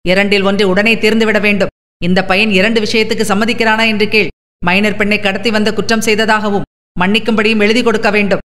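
A menacing older landlord villain, sneering and bossing his henchman around, as a woman narrator reads him. The voice stays at her ordinary mid pitch, with a long trailing reverb behind it. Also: level tone, brisk, fairly bright tone, close to an everyday voice. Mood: commanding. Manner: sneering, mocking, commanding.

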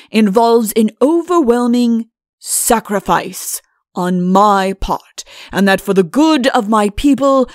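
Storybook monarch, read by a woman: grandiose, imperious and quick-tempered, with a gravelly creak. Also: mid-range voice, no room sound, clean studio sound. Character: pompous, bellowing, short-tempered king of storybook realm.

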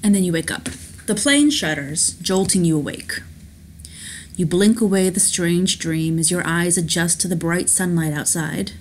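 Woman, lower voice, chatty, enthusiastic, giggly, let's play commentary, faint hiss. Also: moderate pace. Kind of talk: casual game commentary and reading aloud. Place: home, at a laptop.

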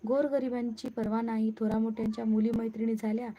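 A woman's voice: on the high side, level tone, fast, warm tone, a little hiss or hum, natural voice. A woman voicing a bitter ragged old crone. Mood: angry. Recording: muffled lo-fi recording.

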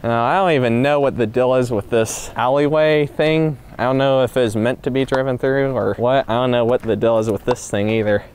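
A man's voice: medium pitch, brisk, few pauses, smooth. A young man hosting an urban exploring video, chatting casually as he walks around an empty store outside. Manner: relaxed, offhand commentary with hedging asides. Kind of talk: casual walkthrough narration. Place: outdoors at an empty store parking lot.

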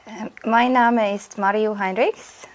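Woman in her twenties from Estonia, exam candidate; unhurried, hesitant answers. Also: medium pitch, steady tone. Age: 20s. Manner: hesitant, with fillers. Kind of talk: spoken language exam answers. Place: indoor room.

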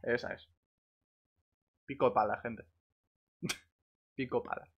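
A man with an accent from Spain, bantering casually and excitably in a gaming voice chat, often joking. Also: medium pitch, slow, muffled recording. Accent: Spanish, from Spain. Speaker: gaming streamer.

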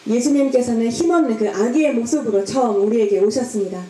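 A woman renders the sermon phrase by phrase in a smooth, even way. Her voice is very mellow and sits a little high. The church hall around her is echoey. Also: fast talker. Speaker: interpreter. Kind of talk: consecutive interpreting of a homily.

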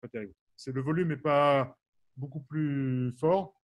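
The recording is very noisy, and the man's mid-range voice is a little slow. He's from France's Champagne region and teaches a live online harmonica class in a loose, chatty way, full of fillers, quizzing viewers and answering them by name.

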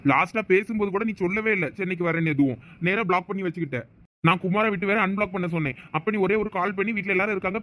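A pushy, lovesick young man in a cartoon, voiced by a man. He talks fast in a fairly high voice, pressing and demanding. He keeps at it without letting up. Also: a bit bright. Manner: insistent, demanding.

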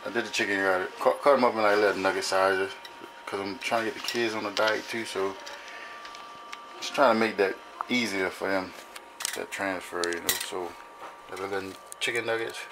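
A young man talking casually as he cooks in a small home kitchen, relaxed and repeating "you know what I'm saying.". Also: fairly low pitch, noisy background. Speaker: vlogger cooking at home. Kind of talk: casual cooking vlog talk. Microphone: camera across the kitchen.

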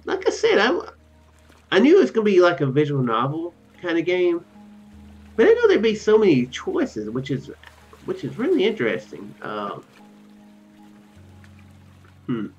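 Drowsy young man rambling, swingy pitch. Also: wildly swooping pitch, normal speed, pauses often. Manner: rambling, hesitant, tentative musing. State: tired, drowsy. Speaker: gaming video host. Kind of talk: casual game commentary to viewers. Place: small room at home. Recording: dull lo-fi mic with music. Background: game music.

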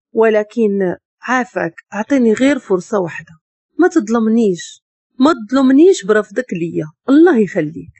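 A woman's voice: fairly high pitch, darkish tone, breathy edge, no echo, full character voice. A woman with a Moroccan accent voicing a heartbroken young wife, pleading and tearful.

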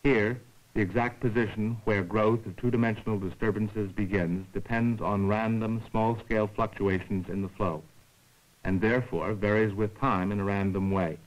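Narrating an educational science film, a man with a fairly low, steady voice delivers a scripted, formal and measured explanation, taking each point in turn like a lecturer. The audio is dull.

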